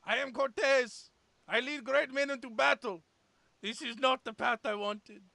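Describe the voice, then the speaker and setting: Creaky, very high, pompous commander. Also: male voice, steady tone, measured pace, sharp tone, no room sound, exaggerated voice. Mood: grave. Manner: grandiose, formal, indignant. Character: pompous, self-important male military team leader.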